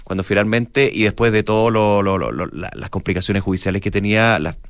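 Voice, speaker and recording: A man's voice: on the low side, fairly quick, clear, resonant tone, no echo. Chilean male radio co-host, rambling commentary, dry close sound. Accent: Chilean Spanish. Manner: rambling, restarts often, thinks aloud. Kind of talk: morning news commentary.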